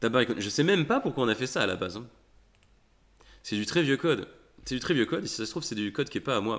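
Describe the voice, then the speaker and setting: In a very clean recording with a silent background, a man talks very fast at a medium pitch with lively intonation. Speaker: software developer live-streamer. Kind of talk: live coding stream.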